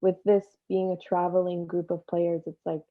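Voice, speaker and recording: Lower-voiced young woman, dull lo-fi sound. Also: monotone, normal speed. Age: young adult. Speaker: actor, interview guest. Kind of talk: casual panel chat. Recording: dull, lo-fi call audio.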